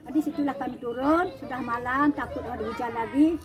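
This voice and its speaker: An older woman telling what she saw as an eyewitness, animated and acting out the cries and calls of others. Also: on the high side, fairly quick. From Aceh, Indonesia. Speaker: tsunami eyewitness speaking to visitors. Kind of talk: emotional eyewitness storytelling. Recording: crowd of listeners around. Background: crowd.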